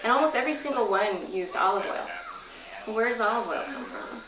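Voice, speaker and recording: A woman's voice: mid-range voice, lively intonation, normal speed, crowd noise. Woman teaching a class from afar. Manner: friendly, asks the group questions. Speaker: workshop teacher. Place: outdoor pavilion, standing at a flip chart. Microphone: far camera. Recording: roomy, distant camera audio with noise. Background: insects and crickets.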